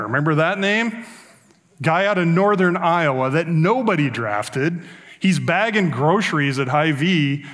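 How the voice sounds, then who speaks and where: A man's voice: on the high side, fairly bright tone. A man pastor, preaching a conversational sermon and acting out the lines he quotes. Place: church sanctuary. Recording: long reverb of a large hall.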